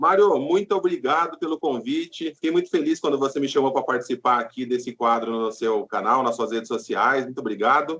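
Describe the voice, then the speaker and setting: Speaking at a fairly quick pace with hardly any pauses, the voice carries a São Paulo interior accent and ordinary pitch variation. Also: man, fairly high pitch for a man. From Brazil, São Paulo city. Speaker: security and leadership trainer. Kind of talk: interview conversation. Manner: casual.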